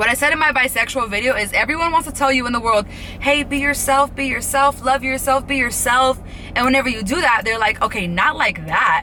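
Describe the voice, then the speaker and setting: With noticeable background noise around her, a woman speaks in a raised, projected voice at a high pitch. She goes at a fairly quick pace with ordinary pitch variation. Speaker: YouTuber. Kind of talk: casual vlog talk to camera. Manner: fast; animated.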